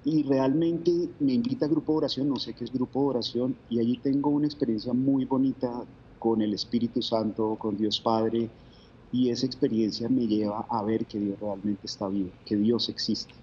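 In a testimony interview, a guest from Bogotá tells of his faith in a Colombian accent, thoughtful and filler-heavy. His medium-pitched voice is mellow and steady at a normal pace, captured in lo-fi sound with faint background noise.

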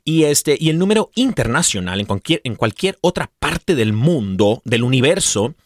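A man's voice: medium pitch, very animated, moderate pace, dry recording, studio quality. A man with a Mexican accent co-hosting a casual religious radio show, joking playfully in colloquial slang.

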